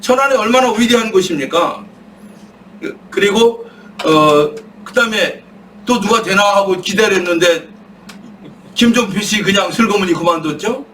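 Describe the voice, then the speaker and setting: A middle-aged man giving an impassioned political talk, asking rhetorical questions and answering them himself, sometimes shouting when worked up. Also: sits high, moderate pace, a little hiss or hum. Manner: rhetorical, asks and answers his own questions. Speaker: guest speaker. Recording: distant mic with faint room ambience.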